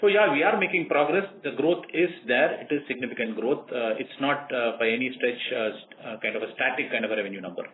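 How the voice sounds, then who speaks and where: A man with an Indian accent, a company executive answering questions on a conference call, halting and rephrasing his points. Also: mid-range voice. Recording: tinny phone-line audio with noise.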